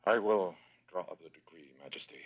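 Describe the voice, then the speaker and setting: An actor voicing a cold, calculating royal advisor in an animated Bible drama, in a measured, plotting manner. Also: male voice. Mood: scheming. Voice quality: very deep and husky. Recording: dull lo-fi sound.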